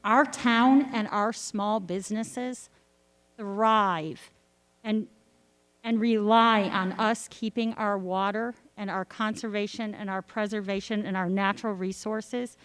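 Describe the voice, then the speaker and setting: A middle-aged woman giving a prepared speech as a local candidate, speaking earnestly and deliberately in short phrases. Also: medium pitch, dry recording. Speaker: candidate for town selectman. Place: arts center stage at a candidate forum.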